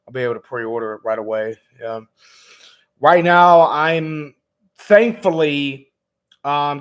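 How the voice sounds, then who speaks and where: Hoarse raspy guy on his gaming vlog stream, chill, lots of um and bro. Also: mid-range voice. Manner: laid-back, many ums, calls viewers man and bro. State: hoarse, lost voice. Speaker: gaming vlogger host. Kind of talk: casual livestream chat.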